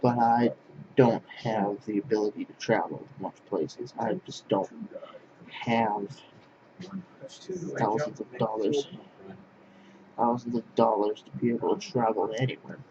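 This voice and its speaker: A man from northwest Pennsylvania, talking to camera in a halting, rambling monologue that keeps restarting its phrases. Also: lowish voice, steady tone. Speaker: language vlogger. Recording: dull lo-fi sound with clear background noise.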